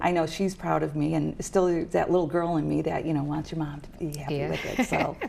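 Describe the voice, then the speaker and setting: A woman talks at a fairly quick clip with hardly any pauses over noticeable background noise. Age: 50s. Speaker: magazine collage artist. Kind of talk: interview answer.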